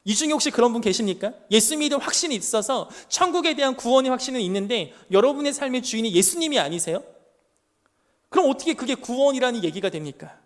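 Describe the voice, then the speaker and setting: Animated man preaching in a reverberant church. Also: very high-pitched, quick pace. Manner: emphatic rhetorical questions and personal family anecdotes. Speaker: junior pastor preaching to young adults. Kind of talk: sermon. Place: church sanctuary. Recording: long church hall reverb.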